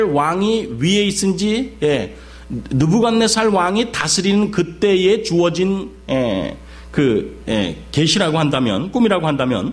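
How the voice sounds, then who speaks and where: The delivery is very slow, with very wide pitch swings. Room echo is audible. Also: man. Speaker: pastor. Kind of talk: sermon.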